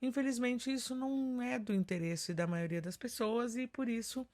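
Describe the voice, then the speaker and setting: A woman's voice: fairly high pitch, moderate pace, darkish tone. A middle-aged woman from Central America, partly raised in Germany, telling her personal story to radio listeners as a guest singer.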